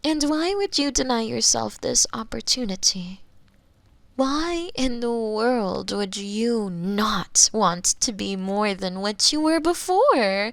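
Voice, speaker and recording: A woman playing a smug, menacing female mad scientist in a theatrical ASMR roleplay, condescending and sometimes breathy, close on a binaural microphone. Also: on the high side, no room sound, exaggerated voice. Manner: theatrical, condescending, sighing, slipping into breathy whispers. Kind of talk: roleplay ASMR monologue, spoken to the listener.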